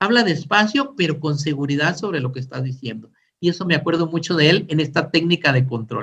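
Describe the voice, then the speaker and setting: This man has a high pitch, a bright, sharp tone and lively intonation, speaking with a northern Mexican accent. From northern Mexico. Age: 60s. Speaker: public speaking instructor. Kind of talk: online lecture. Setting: online class.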